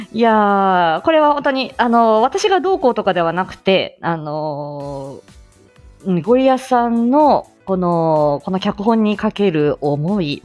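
A woman hosts a relaxed live stream. She talks casually, laughs often, and fills gaps with many fillers. Her pitch swings in a lively way, and faint music sits underneath. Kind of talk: casual chat.

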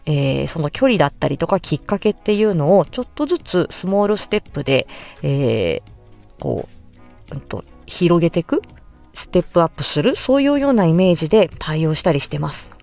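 Lively gentle Japanese woman explaining. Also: sits low, a little fast, gravelly, faint music behind. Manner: gentle explanatory, many fillers. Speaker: speech-language therapist and podcast host. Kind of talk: solo podcast talk.

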